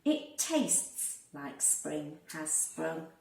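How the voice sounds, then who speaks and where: An excitable little storybook rabbit, as a woman reader puts it on, full of eagerness. The delivery is exclamatory and drawn out, with big leaps in pitch. It sounds a bit distant, in an echoing room. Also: very slow, vocal fry, slight background noise, full character voice. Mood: joyful, excited. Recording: roomy, distant microphone.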